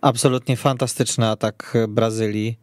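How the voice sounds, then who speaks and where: A man's voice: mid-range voice, steady tone, normal speed, dry recording. A man hosting a football radio discussion, introducing topics to his guests. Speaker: host. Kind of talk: moderating a sports radio discussion.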